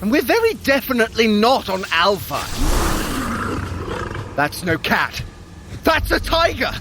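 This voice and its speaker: An actor playing a clever, wry god of mischief with dry, articulate, theatrical delivery in a fantasy audio drama. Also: male voice, high voice, big pitch swings, a little slow, noisy background, full character voice. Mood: incredulous, alarmed.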